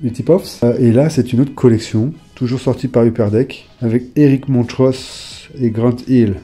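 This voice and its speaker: Showing his old trading cards, a YouTuber chats directly to viewers in a dark, husky, mid-range voice at a normal speed, with faint music behind him. The commentary is casual and unscripted, punctuated by excited outbursts, and he stumbles with many fillers when reading names.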